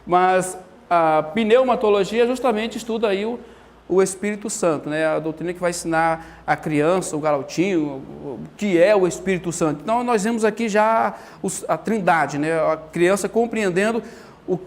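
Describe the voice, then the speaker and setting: A man with a fairly high voice teaches Bible doctrine with a Brazilian Portuguese accent. He talks in an animated, storytelling way and acts out the quotes as he goes. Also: normal speed. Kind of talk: lively church teaching talk.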